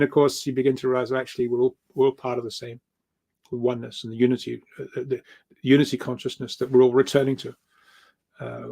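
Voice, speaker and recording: Halting, rambling man giving spiritual talk. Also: medium pitch, vocal fry, warm tone. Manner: halting, repeats words, trails off. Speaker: guest speaker, researcher.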